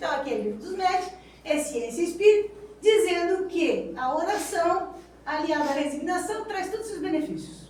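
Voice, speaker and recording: A woman with an extremely high pitch and lively intonation talks at a moderate pace, her loudness swinging widely over audible room echo. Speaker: spiritist lecturer. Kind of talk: lecture.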